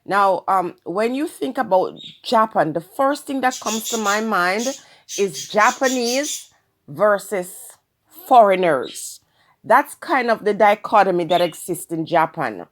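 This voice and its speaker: A woman with a Jamaican accent hosting her own channel, talking earnestly and in a measured way straight to her viewers. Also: medium pitch, animated. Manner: earnest, measured, speaks of spiritual guidance. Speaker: channel host. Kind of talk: solo commentary to camera.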